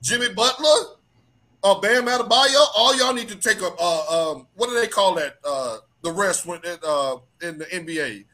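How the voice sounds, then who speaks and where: Animated joking high-voiced man. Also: moderate pace, rough recording. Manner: animated, joking, drops voice low for comic effect. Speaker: host. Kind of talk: casual sports talk.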